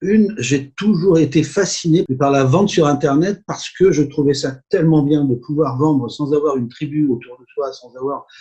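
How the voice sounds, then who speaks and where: Speaking at a moderate pace with hardly any pauses, a man has a fairly high, somewhat breathy voice with a dark, mellow tone. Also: ordinary pitch variation. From northern France, Haute-Normandie (Gisors). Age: 70s. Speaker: retired business owner, online seller. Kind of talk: interview. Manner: halting, many repetitions and fillers.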